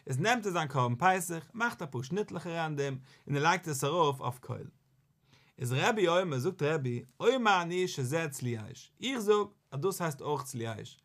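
A man, a rabbi, teaching a Talmud lesson in an animated, questioning sing-song that rises and falls. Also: a little high, normal speed.

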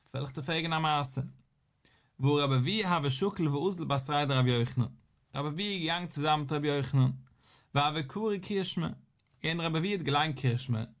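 A man, a rabbi, giving a daily Talmud lesson, posing questions and answering them in a study singsong. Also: a little high.

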